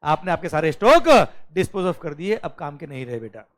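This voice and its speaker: A man teaching a classroom lecture, often asking his students whether things are clear and mixing English phrases into his speech. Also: fairly high pitch, a little fast. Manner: lively, drills students with repeated questions.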